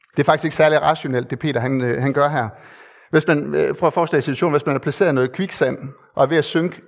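Earnest Danish-speaking preacher, fairly high voice. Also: male voice. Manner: earnest, conversational with fillers and repeated emphasis. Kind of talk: sermon.

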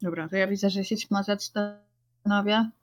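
A woman's voice: medium pitch, fairly even intonation, normal speed, faint music behind. A woman, a tabletop player, musing over her character's ending in casual chat, searching for words as she goes. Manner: thoughtful, rambling, searching for words.

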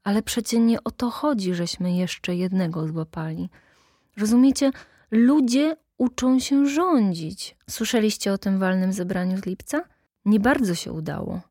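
A woman's voice: medium pitch, a little slow, a little mellow, no echo, clean studio sound, close to an everyday voice. Woman reading an earnest young party official. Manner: earnest, lecturing.

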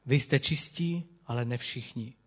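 A man reading the words of Jesus, a calm grown man teaching his disciples, in a measured, solemn way. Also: mid-range voice, husky, pitched below the performer's own voice, natural voice.

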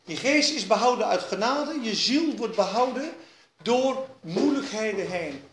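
A man preaching an evening sermon with emphasis, repeating key phrases and dropping to quiet asides. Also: high-pitched, lively intonation, unhurried. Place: evening church meeting. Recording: echoey hall, faint background noise.

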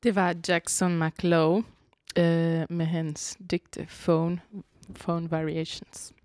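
A woman, a composer and vocalist, talking as a guest in a casual radio interview and often pausing to search for words. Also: lowish voice, flat delivery, a little mellow, no echo. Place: concert hall.

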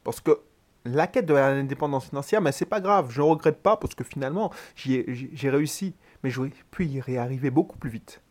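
A man's voice: mid-range voice, a little fast, a little mellow. Man hosting a motivational business podcast. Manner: addresses the listener directly and informally, with frequent restarts; emphatic, pushing the listener to act. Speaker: podcast host. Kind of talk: motivational solo podcast talk.

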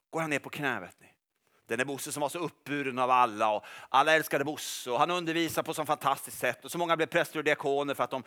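Middle-aged guy preaching, animated and jokey, bright voice, lots of pitch swings. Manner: animated and jokey, asks the audience "are you with me?". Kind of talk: sermon.

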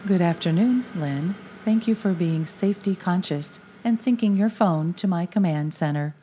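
A woman voicing a calm, overly smooth, bossy car AI that speaks in an even, polite, machine-like way in a comedy sketch. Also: lowish voice, normal speed, a little hiss or hum, lightly acted. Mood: smooth, robotic. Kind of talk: comedy radio sketch acting.

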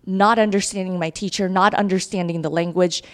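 Interviewed on a podcast, a mayoral candidate in her thirties recounts her story in an upbeat and earnest manner. She comes from Guatemala, speaks Spanish as her first language, and grew up in Kansas; her voice is fairly low, fairly quick, with fairly even intonation.

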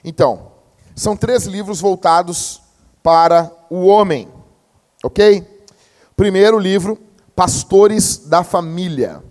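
A young adult man, preaching a sermon as pastor in a slangy, animated storytelling manner. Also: high voice, takes it slowly, pauses often. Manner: slangy, animated storytelling, peppered with "meu" and "cara".

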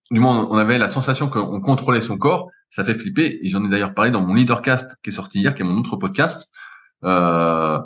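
A man co-hosting a podcast, talking casually with a joking, measured manner. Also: fairly low pitch, dull audio. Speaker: podcast co-host.

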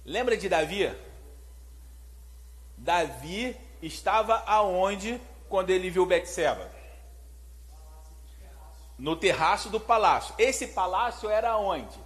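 A man preaching a sermon, animated and conversational, often putting questions to his listeners. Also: high-pitched.

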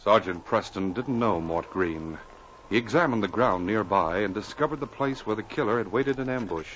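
Man, vintage radio narrator, dramatic, emphatic, dull sound, clear background noise. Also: on the low side, moderate pace, fairly bright tone. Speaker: announcer and narrator. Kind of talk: 1940s radio announcing and story narration. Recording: dull, noisy old radio recording.

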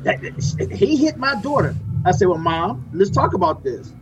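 A man in his fifties hosting a casual panel chat, telling animated stories. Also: high-pitched, normal speed, music in the background, low-quality recording. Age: 50s. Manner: animated storytelling. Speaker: host.

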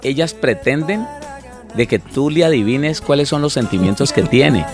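A man's voice: medium pitch, expressive, moderate pace, music in the background. A man, a minister co-hosting a casual Christian talk show, acting out spouses in quoted lines and often repeating his words. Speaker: minister, co-host. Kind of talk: casual chat on a Christian program.

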